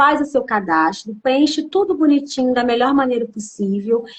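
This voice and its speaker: A woman with a Brazilian accent talks at a moderate pace in a high pitch with lively intonation. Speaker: mental health professional. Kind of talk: live stream talk, platform promotion. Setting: online live stream.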